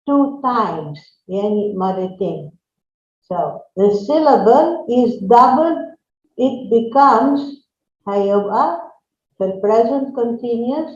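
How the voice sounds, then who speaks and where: A woman with an Egyptian accent teaching an English grammar lesson, speaking slowly and deliberately and repeating each phrase. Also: on the high side, darkish tone. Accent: Egyptian Arabic. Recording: echoey room, dull lo-fi sound.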